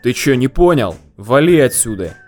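A man voicing a burly, bearded male peasant who talks in a rough, threatening way, with faint music behind. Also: medium pitch, big pitch swings, quick pace, close to an everyday voice.

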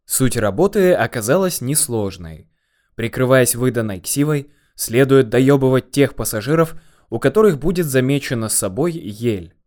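A man narrating a first-person story in a calm, deadpan way. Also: medium pitch.

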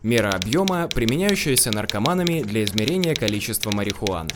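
A man's voice: fairly low pitch, sing-song, fast, over music. A man narrating a first-person story in an audiobook, with a wry, slangy telling.

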